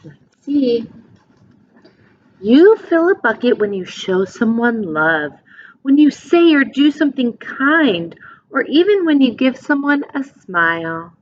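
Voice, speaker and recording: Slow, very expressive woman reading to children. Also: a little high, slight background noise. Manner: expressive, simple teacherly phrasing with questions to listeners. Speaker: teacher reading a picture book aloud. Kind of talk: read-aloud for young children with asides. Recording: dull, lo-fi sound.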